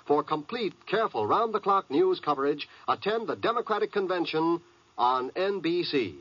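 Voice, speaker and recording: A man's voice: on the high side, lively intonation, normal speed, a bit bright, breathy edge. A man with an American accent reading scripted 1950s network radio promotions. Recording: dull old radio recording.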